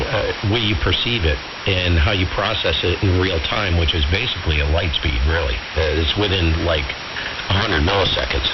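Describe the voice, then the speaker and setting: A man's voice: low-pitched, lo-fi sound. A man chatting casually as an amateur radio operator, explaining things in a colloquial, emphatic way with frequent check-in questions. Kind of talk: casual ham radio chat. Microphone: radio transmitter audio heard over the air. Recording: very noisy, hissy AM radio signal.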